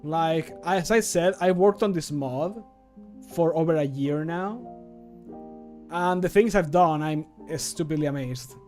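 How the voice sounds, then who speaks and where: A man's voice: a little high, a little slow, a little mellow, faint music behind. A man in his thirties chatting casually and informally as a livestreamer. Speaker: streamer and game modder. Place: small room at home, indoors.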